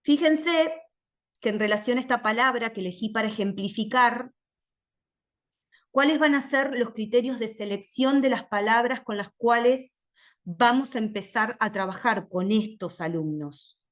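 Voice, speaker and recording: A woman's voice: fairly high pitch, normal speed. A woman teacher giving a literacy training lecture, speaking carefully and drawing out sounds as she models them. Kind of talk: lecture with phonics demonstrations.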